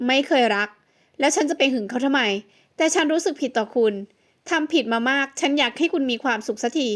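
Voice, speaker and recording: A woman voicing a young model, a caring ex-wife who speaks softly, coaxingly and very politely. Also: high voice, brisk, close to an everyday voice.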